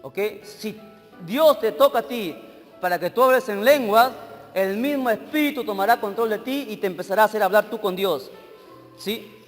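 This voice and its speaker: A man, an evangelist preaching a sermon, who keeps asking his listeners short questions and swings between loud reading and quiet asides. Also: high voice, moderate pace, long reverb tail, soft background music. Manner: teaching, asks the crowd short questions.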